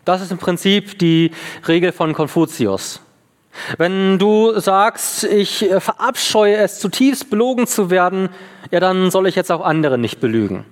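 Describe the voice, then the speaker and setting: High-voiced man preaching in a hall. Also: a little slow. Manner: earnest, repeats phrases for emphasis. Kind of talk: sermon. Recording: long hall reverb.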